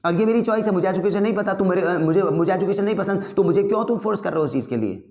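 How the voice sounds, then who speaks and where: Male teacher doing a hot-headed young guy refusing school, rapid, raised pitch, roomy echo. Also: expressive, dark tone. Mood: defiant, heated. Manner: angry, rapid arguing. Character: young man refusing school, defiant and heated.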